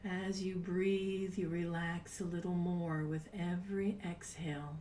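A woman in her sixties leading a guided meditation in a soft, breathy, unhurried voice with long pauses, at times near a whisper. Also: lowish voice, level tone. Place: small home room, indoors. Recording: roomy, distant mic with background noise.

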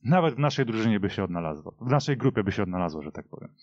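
Male football pundit, low register, casual and opinionated, dull dry recording. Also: sing-song, racing, dry recording. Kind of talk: casual opinionated sports discussion. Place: radio studio. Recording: dull, muffled studio audio.

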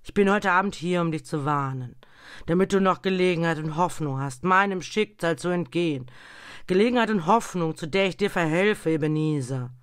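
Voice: mid-range voice, moderate pace, smooth, no room sound, clean studio sound, natural voice. A reader doing a wailing chained old ghost. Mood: solemn. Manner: loud, pleading declamation with sudden whispers. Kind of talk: audiobook reading.

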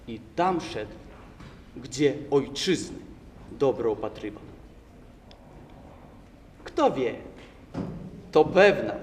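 Young man declaiming verse, lively pitch. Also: a little hiss or hum. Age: young adult. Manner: expressive, swelling declamation. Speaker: recitation contestant. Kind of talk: dramatic verse recitation. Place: large hall, stage. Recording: echoey hall from far off.

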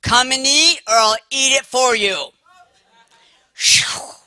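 A woman's voice: high-pitched, takes it slowly, no echo. Big-voiced older woman preaching. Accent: American. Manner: big, animated, playful voice. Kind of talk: lively sermon with humor.

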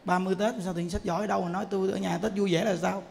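A man's voice: sits high, little pitch movement, rapid-fire, vocal fry. A man voicing a puzzled, timid middle-aged husband. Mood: baffled. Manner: puzzled and meek. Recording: long hall reverb.

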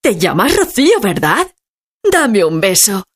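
A woman voicing a cheerful, bustling old grandmother who talks loudly. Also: mid-range voice, very animated, unhurried. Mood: welcoming.

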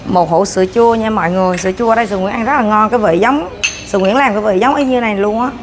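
Casting note: woman in her 30s, chatty buffet vlogger on a lapel mic, steady mid voice, dishes clinking clearly behind. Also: mid-range voice, racing, noisy background. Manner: chatty, narrating while serving herself food. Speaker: food vlogger. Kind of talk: casual walkthrough vlog. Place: hotel breakfast buffet room, indoors. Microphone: clip-on lapel mic.

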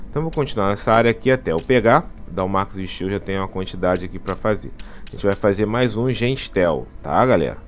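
Chatty Brazilian man narrating a game. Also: lowish voice. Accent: Brazilian Portuguese. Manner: chatty, tacks on "tá?" after nearly every phrase. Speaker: gaming channel host. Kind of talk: casual gameplay walkthrough commentary. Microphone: voice-over commentary over game capture.

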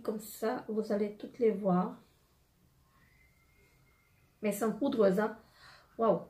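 A woman in her thirties with a slightly hoarse voice, chatting casually through a product haul with many fillers and pauses. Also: a little high, dark tone. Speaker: beauty vlogger.

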